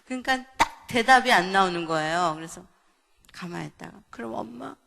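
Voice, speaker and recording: At an evening revival meeting in a church hall, a middle-aged woman pastor and seminar speaker delivers a sermon full of stories. Her voice is on the low side, creaky and fairly quick, and she animatedly acts out the characters' dialogue with big swings in loudness.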